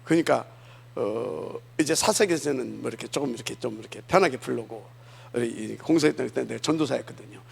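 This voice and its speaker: A man's voice: medium pitch, brisk, gravelly, darkish tone, husky. A male pastor from Jeolla preaching a sermon in a church, talking conversationally and often asking the congregation rhetorical questions. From Jeolla, South Korea. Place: church sanctuary.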